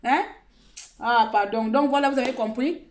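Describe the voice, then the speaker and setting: A woman's voice: on the high side, normal speed. A woman from Gabon doing a casual phone live stream, talking at length and scolding her viewers in a repetitive, chatty way. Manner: talkative, scolding and repetitive, mixing sermon and chat.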